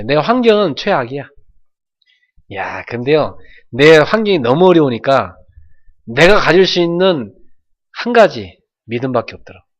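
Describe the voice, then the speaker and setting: A man's voice: mid-range voice, highs cut off. A man preaching a sermon as pastor, in an earnest, conversational way with emphatic swells.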